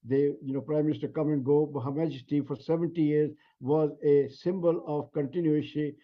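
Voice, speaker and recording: An older man from India is the guest on a live news link, speaking in a slightly high voice. He talks in a measured way and often restarts his words. The remote line sounds dull and lo-fi. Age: 70s. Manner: measured, with frequent restarts and fillers. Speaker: guest commentator, member of the House of Lords.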